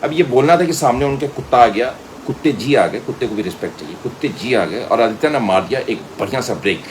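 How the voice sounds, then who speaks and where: An Indian voice trainer at a media school gives a theatrical voice-training lesson, switching between Hindi and English and telling stories as demonstrations. His mid-range voice is animated and quick, with background noise present.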